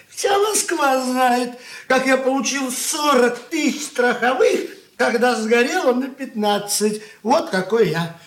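An actor playing a drunk, boastful middle-aged merchant, slurring and drawn out, in a radio drama. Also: male voice, very high voice, fairly bright tone, full character voice. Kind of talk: 1980s radio drama acting. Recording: echoey studio room.

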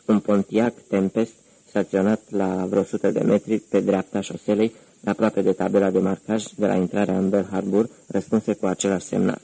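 A man reads a crime novel aloud in a measured audiobook narration. His voice is very deep and gravelly, with a husky edge, heard in a dry, close recording. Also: flat delivery, mellow, no room sound, poor audio.

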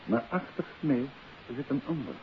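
An actor playing a self-assured detective and devoted husband in a 1950s Dutch radio drama, speaking deliberately and with authority. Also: male voice, mid-range voice, expressive, lightly acted. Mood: grave, confiding. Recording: hissy, muffled old radio recording.

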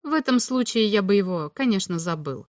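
A calm alien humanoid, as a woman reader voices him. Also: brisk, no room sound, clean studio sound, close to an everyday voice. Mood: calm explaining. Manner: patient, explanatory, slightly higher voice. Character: calm all-knowing male alien humanoid. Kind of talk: audiobook reading.

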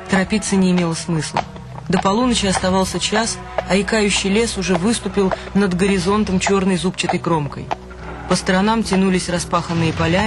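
Guy narrating a radio drama, fairly high voice, music playing underneath. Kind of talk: literary radio play narration.

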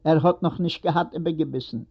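A man voicing a shy, tender young woman who answers softly and hesitantly. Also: on the high side, a little fast, creaky, breathy edge. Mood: wistful. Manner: soft, hesitant replies. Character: young woman, shy and tender, meeting her long-lost husband. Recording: dull lo-fi recording.

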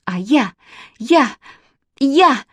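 A woman voicing Manya, a chatty, stubborn little girl who talks in high, eager bursts and fires off questions. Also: big pitch swings, moderate pace, no room sound, studio quality. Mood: heated.

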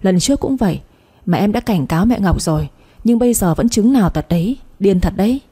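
A sharp-tongued young woman who says exactly what she thinks, mocking and blunt, read by a woman storyteller. Her voice sits dark and husky. It is a spoken storybook telling. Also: medium pitch, lively intonation, brisk. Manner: outspoken, mocking.

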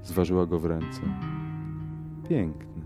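A man reading a horror story aloud and hosting the podcast, measured in his delivery. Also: low voice, fairly even intonation, creaky, music in the background. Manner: measured, hesitant in the outro with fillers. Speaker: podcast host and reader.

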